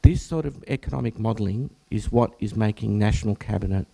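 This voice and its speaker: This is an Australian man, a GP, addressing health professionals at an information session. Heavy talking has left him hoarse and croaky, so he clears his throat often and restarts phrases after breaking off. He speaks briskly in a warm, low-leaning voice.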